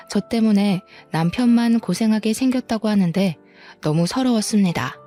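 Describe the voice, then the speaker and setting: Young woman telling a story, mellow tone. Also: medium pitch. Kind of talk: first-person story narration.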